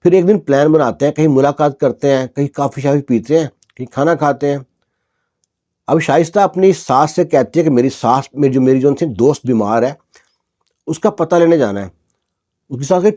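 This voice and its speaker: A man's voice: on the high side, warm tone. A man telling a dramatic story in a conversational narrating manner, often adding little emphatic asides.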